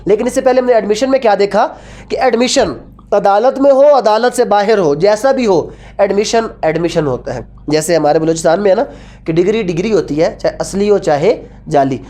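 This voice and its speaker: A woman's voice: medium pitch, a little fast, warm tone. A woman with a Pakistani accent giving an explanatory lecture, didactic, asking and answering her own questions and repeating key phrases. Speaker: law lecturer. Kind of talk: explanatory law lecture, code-switching with English.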